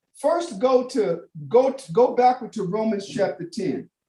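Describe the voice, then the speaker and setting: A man at an extremely high pitch with lively intonation and a fairly slow pace. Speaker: bible teacher. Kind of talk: bible study teaching. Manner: loud.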